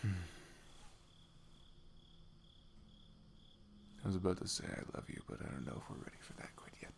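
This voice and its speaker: Man acting as a low-voiced, creaky, bashful best friend. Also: heavily acted. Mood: bashful, affectionate. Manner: halting, giggly, soft-spoken. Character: shy, affectionate young male best friend, cuddly and nervous. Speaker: audio roleplay performer. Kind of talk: intimate ASMR roleplay acting. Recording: faint noise, night crickets behind. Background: crickets and night insect ambience.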